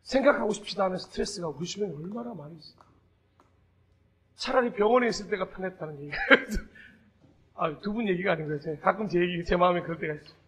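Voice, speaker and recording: Brief: male pastor preaching a Sunday sermon, high-pitched and husky, conversational with shouted emphasis. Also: fast talker. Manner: asks the congregation direct questions.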